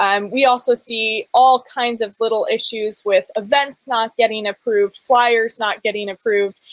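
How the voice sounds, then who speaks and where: An unremarkable speaking voice from a woman, fairly high and fairly even, at a moderate pace with hardly any pauses, in a dry, close sound with no echo. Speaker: nonprofit executive director, campus pro-life organizer. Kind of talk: radio interview.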